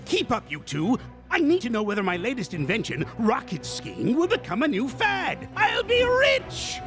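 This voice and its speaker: A man voicing an excitable, greedy cartoon inventor who bosses his helpers around. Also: very high voice, moderate pace, music in the background, heavily acted. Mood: bossy.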